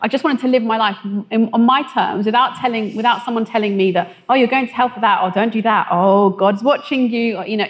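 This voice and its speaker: A woman from West London giving a conversational testimony on a church stage, hesitant and full of fillers, growing animated when she quotes others. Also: medium pitch. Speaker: testimony guest.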